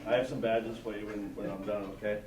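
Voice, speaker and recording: A man's voice: lowish voice, flat delivery, fairly quick. A man reading a children's storybook aloud as a police officer, chatting informally with his young listeners between lines. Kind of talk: casual picture-book reading with asides. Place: room with an audience of children. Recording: noisy live room recording.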